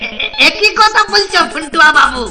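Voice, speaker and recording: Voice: extremely high pitch, lively intonation, normal speed, music in the background. A performer voicing an obliging, sly male hostel cook in a cartoon, deferential and speaking Bengali with a Hindi accent. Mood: reluctant, conspiratorial. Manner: stammering hesitations, deferential. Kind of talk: exaggerated cartoon voice acting.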